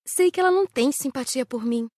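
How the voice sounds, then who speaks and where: A woman's voice: high voice, expressive, a little fast, darkish tone, dry recording, voice pushed up. A woman voicing a young female spirit in an audiobook, resentful and plaintive as she speaks.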